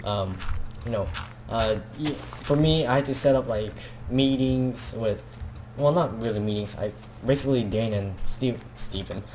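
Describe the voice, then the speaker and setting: A man's voice: mid-range voice, measured pace, darkish tone, a little hiss or hum. Hesitant rambling man, Filipino accent. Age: teenager. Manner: hesitant, self-conscious, many fillers and restarts. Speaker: gaming video creator. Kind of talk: casual rambling monologue.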